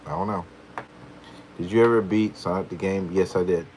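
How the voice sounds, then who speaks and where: A man's voice: low-pitched, fairly even intonation, normal speed, vocal fry, darkish tone, a little hiss or hum, low-quality recording. A man hosting a casual live stream as a tarot reader, playfully answering viewer questions with frequent chuckles.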